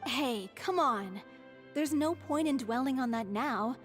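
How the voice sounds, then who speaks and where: A woman's voice: sits high, lively intonation, unhurried, soft background music. An actress playing an upbeat, encouraging young woman of a theater troupe in an anime video game.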